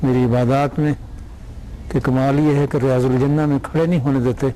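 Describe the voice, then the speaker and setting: Over noticeable background noise, a man with a fairly high pitch talks at a moderate pace in a flat monotone, his loudness very even throughout. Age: 70s. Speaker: student testimonial, spiritual healer. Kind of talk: testimony.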